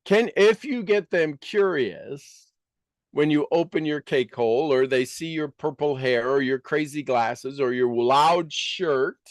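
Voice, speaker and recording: Higher-pitched man giving an emphatic coaching talk. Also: no echo, studio quality. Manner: rhetorical questions, repeats phrases for emphasis. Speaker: business coach and speaker. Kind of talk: motivational business talk.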